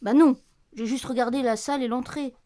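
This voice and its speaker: An actress playing an anxious, insistent wife in a radio play, fretting over noises at night. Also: female voice, sits high, fairly even intonation, fairly quick, mellow, close to an everyday voice. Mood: fretful, nagging. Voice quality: insistent, fretful. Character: anxious, insistent wife, worried, sharp-tongued.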